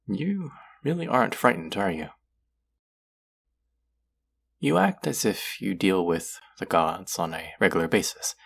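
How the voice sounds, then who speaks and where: A man playing an aloof, lonely lord of the underworld who is secretly soft, speaking formally and wryly to the listener in an intimate audio roleplay. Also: deep voice, creaky, slightly rough, full character voice. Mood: imperious, curious. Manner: formal, wry, guarded, addressing the listener directly.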